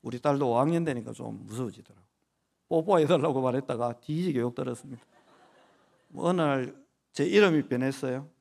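A man's voice: mid-range voice, a little fast, gravelly, darkish tone. A man in his forties with a Gyeongsang accent, preaching a sermon in a church and joking with the children in the pews. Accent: Gyeongsang Korean. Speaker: pastor. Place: church sanctuary during worship.

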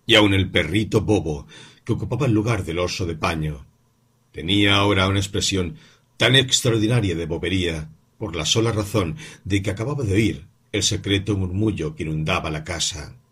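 A man narrating a literary story as an audiobook, reading slowly and expressively. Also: low voice, fairly bright tone, slightly rough.

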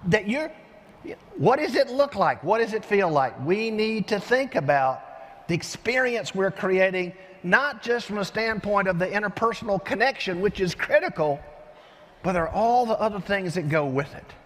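Older man, animated keynote in a big hall. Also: sits high, normal speed. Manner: animated storyteller with lively gestures. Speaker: keynote speaker. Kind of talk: energetic keynote speech. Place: large conference arena stage. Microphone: headset mic. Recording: long hall reverb from arena.

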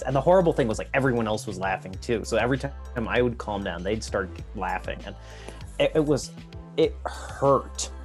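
A man in his thirties with a somewhat low voice, talking casually and chuckling as he reacts. He speaks into earbud mic in a small room. Faint music sits behind him. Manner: amused, chuckling, apologetic asides. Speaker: author reacting to clips. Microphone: earbud headset mic.

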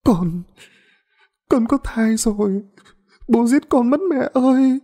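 A man's voice: very high voice, slow, dark tone, voice pushed up, exaggerated voice. A man voicing a frightened, pregnant young daughter who stammers and pleads through sobs.

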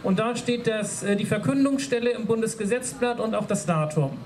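A man's voice: sits high, fairly quick, darkish tone, slight background noise. A man explaining legal points formally to an audience at an outdoor rally, speaking into a handheld microphone. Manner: formal, lawyerly, with hesitant fillers. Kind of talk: explaining law at a public rally. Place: outdoor stage at a street rally. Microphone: handheld mic through PA. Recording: outdoor PA with crowd around.

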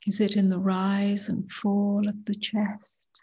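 A woman meditation teacher guiding a practice in a soft, hushed voice that often nears a whisper, with short unhurried phrases. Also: mid-range voice, monotone, husky. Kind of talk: guided meditation, slow and gentle with long pauses.

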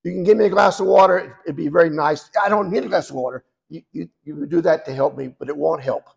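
An older man in his seventies preaches with a raspy, hoarse voice full of gravel and fry. His pitch sits fairly high for a man, and he rambles through warm, self-deprecating asides between points. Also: fast, lo-fi sound. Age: 70s. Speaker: guest preacher. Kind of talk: sermon.

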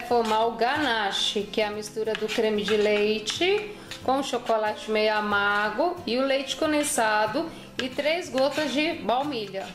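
A woman's voice: a little high, measured pace. A woman off camera in a home kitchen, prompting a child and explaining the recipe. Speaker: off-camera helper and co-host. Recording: echoey kitchen with background music.

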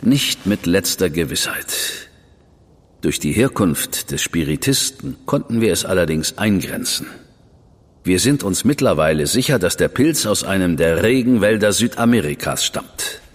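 An actor playing a composed, sardonic Victorian spymaster who briefs an agent in a measured way. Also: male voice, deep voice, lively intonation, big-room sound. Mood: briefing. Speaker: senior crown official briefing an agent. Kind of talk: studio radio drama acting.

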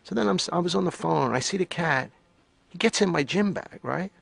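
Brash rambling patient, gravelly, dead-dry recording, cartoon. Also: male voice, fairly high pitch, expressive, fairly quick, no echo, exaggerated voice. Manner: loud, jokey, rambling. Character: brash rambling male patient, cocky and defensive. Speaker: therapy patient. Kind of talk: stand-up style rant.

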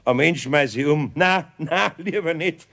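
An actor playing an older, good-natured but grumbling master carpenter in a children's audio play, with a Bavarian accent and a gravelly, husky voice. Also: male voice, a little high, measured pace, a bit bright. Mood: friendly.

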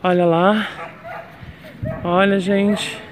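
High-voiced man vlogging outdoors. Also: flat delivery, extremely slow. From Brazil. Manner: chatty, keeps addressing viewers as "gente". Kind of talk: casual walking vlog. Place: outdoors on a city street. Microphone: handheld phone camera while walking. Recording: noisy outdoor phone recording. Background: street traffic and outdoor ambience.

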